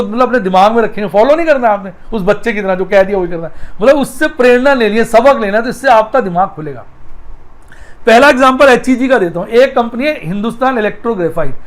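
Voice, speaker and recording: A middle-aged man, giving a casual stock market lesson and telling homely stories straight to his viewers. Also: extremely high pitch. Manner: homely, repeats phrases, talks straight to viewers. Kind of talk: casual teaching talk with storytelling.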